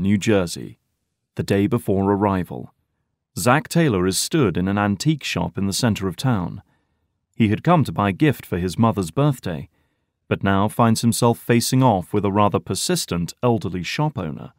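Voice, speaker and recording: A man's voice: fairly low pitch, expressive, moderate pace, darkish tone, dry recording, clean studio sound. A man narrating an audio drama in a scripted, dramatic storytelling style.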